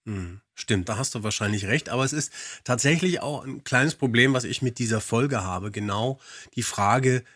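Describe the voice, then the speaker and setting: A man's voice: mid-range voice, normal speed, a bit bright, dry recording, clean studio sound. A man co-hosting a podcast in casual chat, playful and analytical about audio dramas. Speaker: podcast co-host.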